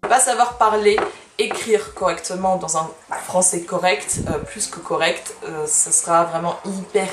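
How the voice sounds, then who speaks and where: A woman in her early twenties, not a native French speaker, giving casual, informal advice to camera with emphatic repetitions. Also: on the low side. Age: early 20s. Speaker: student vlogger giving study advice. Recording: echoey room.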